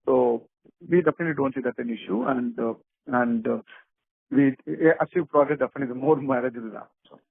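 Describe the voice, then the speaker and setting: An Indian-accented man answers questions as an executive on a narrow, muffled phone conference line. His voice is husky and creaky, and he speaks haltingly, often restarting and repeating words. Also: medium pitch, dry recording. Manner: halting, repetitive, hedging with restarts. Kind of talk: unscripted earnings call answers. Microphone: telephone conference call.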